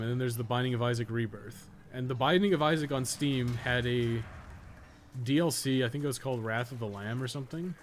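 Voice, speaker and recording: A male streamer talks casually while he plays, in an average-pitched voice. He rambles bluntly and swears freely, with faint noise behind him. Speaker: game streamer and podcast host. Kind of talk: casual live game stream chat.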